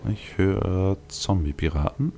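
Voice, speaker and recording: A man's voice: low-pitched, takes it slowly, mellow, slight background noise. A man giving casual gameplay commentary, musing aloud to himself as he plays. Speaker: let's play host.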